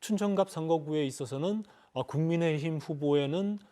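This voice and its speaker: Halting middle-aged male political commentator. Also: a little high, mellow. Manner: halting, with frequent "uh" fillers and measured hedging. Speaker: former lawmaker, panel guest.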